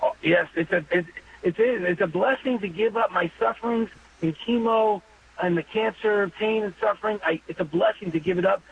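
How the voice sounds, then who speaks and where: A man in his fifties calling in to a radio show, talking earnestly and haltingly, with many pauses and fillers. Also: high-pitched, creaky, slight background noise. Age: 50s. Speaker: caller. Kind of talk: phone-in call to a radio show. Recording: dull phone line.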